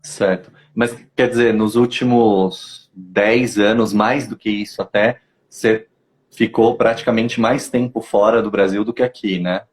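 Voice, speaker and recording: A man's voice: fairly low pitch, fairly even intonation, a little slow. A Brazilian man hosting a live interview, asking long, conversational questions. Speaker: host, English teacher. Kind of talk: casual video interview.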